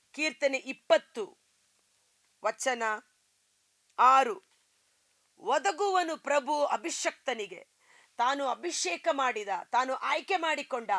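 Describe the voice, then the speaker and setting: A woman's voice: sits high, fairly bright tone, no echo. A woman preaching a fervent Christian sermon, building emphasis on key phrases and quoting scripture.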